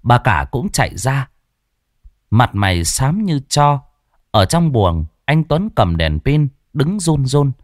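A man narrating a ghost story in a dramatic, expressive way. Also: medium pitch, slow pace, no room sound, clean studio sound.

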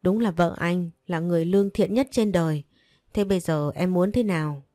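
A woman's voice: lowish voice, moderate pace, mellow, no room sound, studio quality, lightly acted. A woman reading a cold stern young man. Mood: gentle. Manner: cold, curt.

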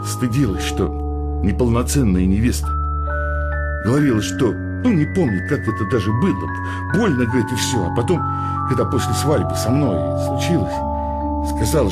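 Actor as rough, animated working-class husband. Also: male voice, lowish voice, lightly acted. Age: middle-aged. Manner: coarse colloquial speech, pestering and insistent. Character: rough, jealous working-class husband, sentimental yet hot-tempered bully. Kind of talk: radio play comedy acting. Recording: music behind the voice.

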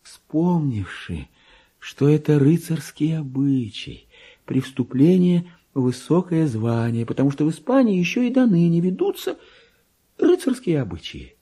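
An actor playing a deluded clerk who believes he is a king, in a pompous, erratic, theatrical radio monologue that swings from hushed to shrill. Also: very animated, measured pace, husky, heavily acted. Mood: earnest, bewildered. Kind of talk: dramatic literary monologue, Russian radio play.

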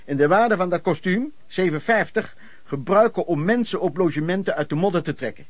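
A man's voice: high-pitched, brisk, no room sound. An actor playing a former traveling merchant recounting his lodging-house years in colloquial radio drama narration. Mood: indignant.

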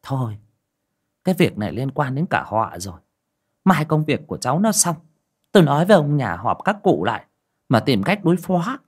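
A woman's voice: sing-song, measured pace, long pauses, breathy edge, exaggerated voice. A woman voicing a harsh, superstitious older village aunt who berates her kin. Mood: calmer. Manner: shrill, berating, superstitious scolding. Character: harsh scolding older woman, clan head's wife.

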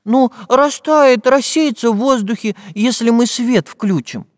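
A man voicing an eager, excitable young boy. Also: extremely high pitch, a little slow, no echo, studio quality, long reverb tail, voice pushed up.

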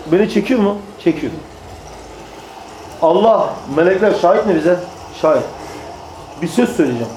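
A man's voice: high voice, animated, normal speed, a little mellow, echoey room, slight background noise, poor audio. A man preaching to a small group, emphatic, repeating phrases and answering his own rhetorical questions. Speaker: religious preacher. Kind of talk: religious talk to a small group.

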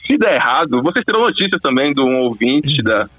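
A man's voice: medium pitch, very animated, fairly quick, slightly rough, no echo, soft background music. A man calling in over the phone, rambling and hesitant in casual chat. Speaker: caller. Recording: dull, dry phone line.

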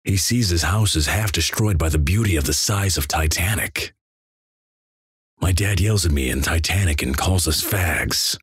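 A man reads internet stories in a deadpan, flat way. His voice is extremely deep and husky. The sound is close and dry, with no room around it. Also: normal speed, no echo. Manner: deadpan, flat delivery of crude jokes.

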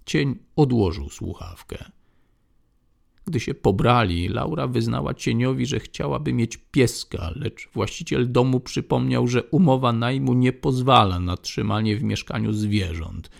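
A male audiobook narrator reading in a steady, measured manner. His delivery is very unhurried, and his voice carries a deep gravelly fry. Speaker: audiobook reader.

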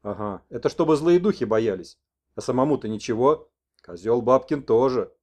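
A man's voice: medium pitch, animated, moderate pace, a little mellow, close to an everyday voice. A man voicing a talkative old village grandfather with a folksy, colloquial manner.

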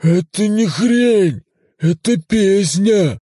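A man reading a story aloud, voicing an ancient, touchy male deity that speaks with a booming, husky voice, sometimes in whispers. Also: lively intonation, extremely slow, dark tone, no echo, clean studio sound, full character voice. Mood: aggrieved. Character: ancient male Cthulhu entity, disembodied voice, proud and touchy. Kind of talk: audiobook reading.

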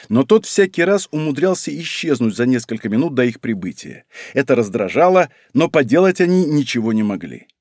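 A man reading a first-person novel aloud as an audiobook narrator, with an expressive delivery. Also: mid-range voice, dry recording, clean studio sound.

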